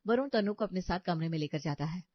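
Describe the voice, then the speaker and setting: A woman narrating a cartoon family story in a calm storybook style. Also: on the low side, quick pace, no echo. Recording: dry, slightly dull audio.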